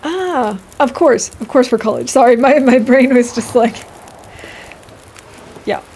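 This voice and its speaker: A woman streams a survival game and chats easily with her viewers, laughing often as she answers them by name. Her voice sits a little high. A faint noise runs underneath. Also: measured pace, a little mellow. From United States. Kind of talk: casual gameplay chat with chat readers.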